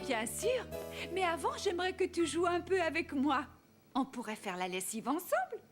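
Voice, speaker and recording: Cartoon granny, playful, sing-songy, high and bouncy, music under it. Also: female voice, very animated, moderate pace. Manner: singsong, coaxing, makes games of chores. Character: gentle playful grandmother, older woman. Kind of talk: French cartoon dub. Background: background music.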